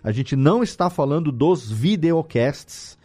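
Casting: male Brazilian podcast host, slightly high voice, emphatic and colloquial, conversational interview delivery. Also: lively intonation, a little slow, mellow, husky.

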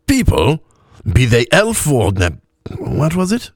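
A man voicing an earnest, drunken old elf cleric with slurred, halting speech and an invented elvish accent. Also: mid-range voice, wildly swooping pitch, breathy edge, no echo, clean studio sound, pitched above the performer's own voice, full character voice. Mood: rambling, tipsy. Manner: halting, stumbling over words. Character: drunken two-hundred-year-old male elf cleric, earnest, rambling.

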